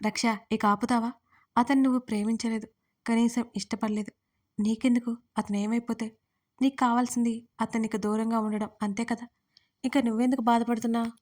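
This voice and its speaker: A woman's voice: a little high, little pitch movement, brisk, a little mellow, distant mic, natural voice. A woman voicing a firm, protective young female friend in an audio story, scolding and direct.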